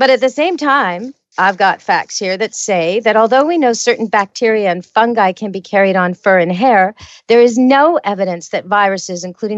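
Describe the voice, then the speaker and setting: A woman talks in an unremarkable speaking voice at a moderate pace, her pitch varying in an ordinary way. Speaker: pet radio show host. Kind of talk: interview.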